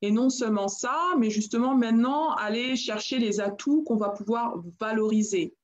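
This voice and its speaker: A French woman hosts a live chat show, talking in a lively, encouraging way and slipping in English phrases. Her voice sits fairly high. The audio is muffled, like a live stream. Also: moderate pace, a little hiss or hum. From France. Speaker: host.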